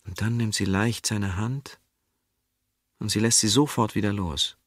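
A man narrating an audiobook in a slow, hushed manner, dwelling on repetitions. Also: on the low side, steady tone, dry recording, clean studio sound.

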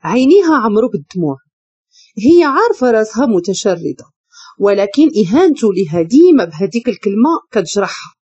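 A woman with a Moroccan Arabic accent narrating a dramatic story in an expressive, emotional way. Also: mid-range voice, brisk, slightly rough, no echo, highs cut off.

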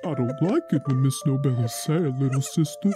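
A woman playing a big, gentle, childlike friend in an audio drama, speaking simply. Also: rumbling low, animated, normal speed, over music. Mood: worried.

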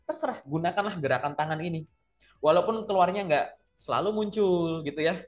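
A man's voice: high-pitched, fairly quick. A man coaching on job interviews in a casual talk, explaining points by acting out sample answers. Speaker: career coach.

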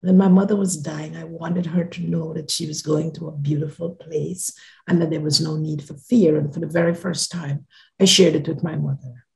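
An older woman from Guyana, a podcast guest earnestly telling a personal story on a video call from her living room, her phrases often fading softly at the end. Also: sits low, fairly even intonation, normal speed, gravelly, low-quality recording.

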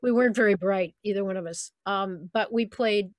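A woman's voice: medium pitch, normal speed, no echo. A woman from Saint Louis, a voice actress, giving reflective, easygoing answers in an interview, laughing now and then. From Saint Louis, USA. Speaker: voice actress guest.

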